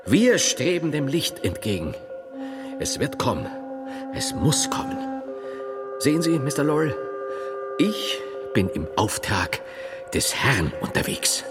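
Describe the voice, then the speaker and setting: A man playing a devout, self-assured medieval monk and philosopher in a theatrical drama, declaiming deliberately with scholarly emphasis. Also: a little high, huge pitch swings, in a large hall, loud music behind the voice, heavily acted. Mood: fervent, resolute. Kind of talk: theatrical German dialogue drama.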